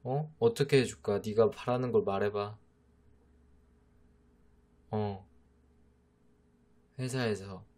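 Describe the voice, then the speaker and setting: A man's voice: lowish voice, takes it slowly, pauses often, darkish tone. A man voicing a teasing boyfriend who coaxes and mock-scolds his jealous younger girlfriend, in a whispered role-play. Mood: playful scolding. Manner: teasing, coaxing, mock-exasperated. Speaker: voice actor.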